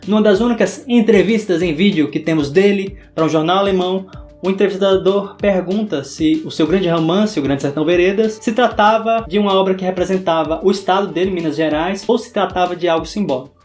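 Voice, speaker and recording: Young guy, high voice, bahian sertanejo accent, dramatic scripted narration, soft guitar behind. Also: a little fast. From interior of Bahia, Brazil. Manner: dramatic, theatrical delivery. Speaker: book vlogger. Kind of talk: scripted video essay narration.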